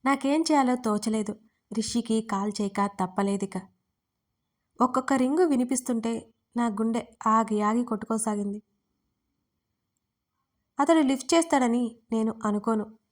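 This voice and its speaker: A woman's voice: fairly high pitch, moderate pace, pauses often. Earnest woman narrating a story. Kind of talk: first-person audio story narration.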